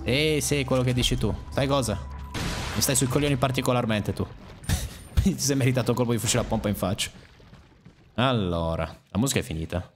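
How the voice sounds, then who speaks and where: A young man talks through a game as a let's play host, cursing and mocking the enemies on screen. His voice swings widely in pitch, jumping to high yelps when something surprises him. Game music plays clearly underneath. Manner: excitable, swears and mocks enemies, jumps to high yelps. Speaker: gaming YouTuber.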